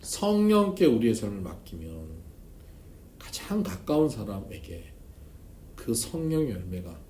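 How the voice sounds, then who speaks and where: Pastor preaching, lively ups and downs, mellow low tone, echoey church room with a little hiss. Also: male voice, measured pace. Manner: storytelling with humor, emphatic swings in loudness. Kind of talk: seminar sermon.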